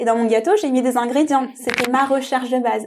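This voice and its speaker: A woman speaks at a fairly quick pace in a high pitch. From France, Tamil heritage. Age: 30s. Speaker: psychologist and PhD student. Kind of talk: interview conversation. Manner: casual, with many fillers.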